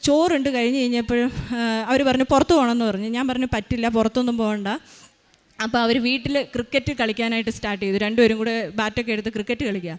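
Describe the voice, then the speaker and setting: A woman's voice: on the high side, fairly even intonation. A woman telling a personal testimony about her child, hurrying along with many fillers and restarts. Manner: hurried, with frequent fillers and restarts. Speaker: mother giving a testimony.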